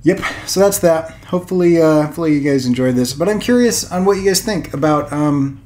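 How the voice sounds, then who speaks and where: A man in his late thirties talking casually as a vlog host, thinking aloud in a rambling way with hesitant pauses and repeated words. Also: on the high side, darkish tone. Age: late 30s. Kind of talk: casual unscripted vlog musing.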